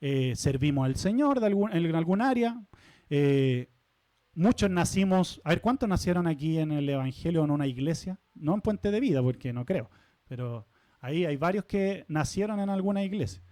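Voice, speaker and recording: A pastor delivers a sermon from the pulpit of a church sanctuary in a high, warm voice at a normal pace. He stays animated and conversational, pausing to pose questions to the congregation and slipping in light asides. The recording is dry and close, with almost no room echo.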